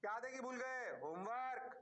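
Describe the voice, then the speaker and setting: High-voiced playful physics teacher. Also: male voice, measured pace, a bit bright. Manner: singsong, answers himself in a low student voice; playful, rhyming catchphrases. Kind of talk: online lecture to students.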